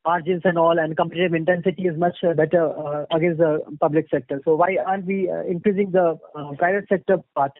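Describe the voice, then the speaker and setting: A dry, narrow phone line carries a clearly high-pitched man. He is an investor putting questions on a call, hesitant and wordy as he builds each question. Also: fairly even intonation, quick pace, few pauses, dry recording. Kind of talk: spontaneous earnings call questioning.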